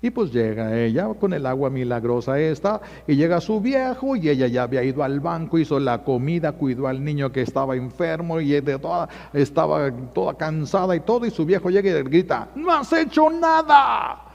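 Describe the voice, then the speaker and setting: A man's voice: on the high side, expressive, brisk, creaky, few pauses, darkish tone. A man with a Mexican accent preaching a homily, emphatic and telling folksy stories, often repeating key phrases. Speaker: priest. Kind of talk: sermon. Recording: echoey muffled church sound.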